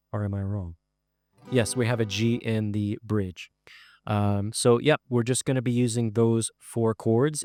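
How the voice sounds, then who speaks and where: A man teaching a guitar song in a casual, explanatory way, often pausing with uh and um. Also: on the low side. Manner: relaxed, explanatory, many fillers like uh and um. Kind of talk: casual spoken guitar lesson.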